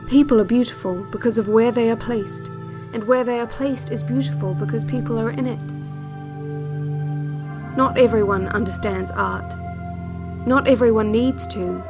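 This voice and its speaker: Woman playing calm cryptic cassette narrator, higher-pitched, over music. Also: lightly acted. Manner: measured, deliberate, contemplative delivery. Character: calm, cryptic female narrator of instructional cassettes, wistful and intimate. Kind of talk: scripted audio drama monologue over music. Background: soft new-age music.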